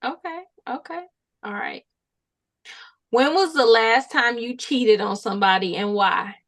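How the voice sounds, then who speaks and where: A woman co-hosting a podcast, asking bluntly worded questions in a brisk, casual way. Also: on the high side, no echo. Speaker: podcast co-host.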